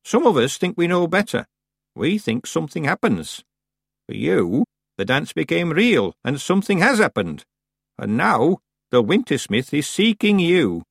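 Male reader as elderly female witch: high, imperious, deliberate, very varied intonation. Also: sing-song, vocal fry, husky, dry recording, studio quality, full character voice. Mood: stern. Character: nasty, solemn old woman witch, stern mentor. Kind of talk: acted storybook dialogue.

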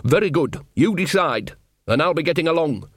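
A man's voice: on the high side, expressive, normal speed, no room sound, studio quality, voice pushed up. A man voicing a shrewd, folksy old woman witch who talks bluntly and defiantly in a storybook reading. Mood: brisk, calmer.

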